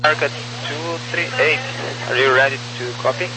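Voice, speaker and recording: A man working as a controller, reading out a route clearance piece by piece in a halting way over aviation radio. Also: on the high side, fairly even intonation. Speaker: air traffic controller giving clearance. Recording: humming, noisy aviation radio.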